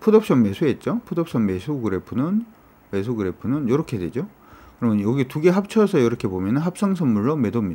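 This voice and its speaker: A fairly quick man's voice at a medium pitch, dark and mellow in tone, with very wide pitch swings. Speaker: stock market analyst. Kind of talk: market wrap-up broadcast. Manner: conversational with frequent fillers.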